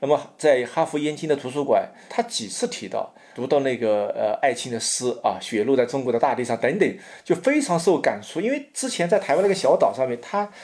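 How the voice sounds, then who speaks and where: The speech moves fairly quickly. Its pitch rises and falls very widely. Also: man, fairly high pitch for a man. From China, Hunan (Hengyang). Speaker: history professor. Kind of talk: casual intellectual discussion. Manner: hesitant, many filler words.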